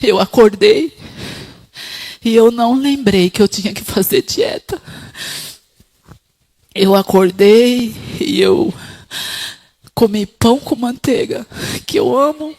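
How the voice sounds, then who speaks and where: A woman preaching a sermon, telling her own testimony quietly and then rising to fervent, shouted exhortation. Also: a little high, expressive, slow, pauses often.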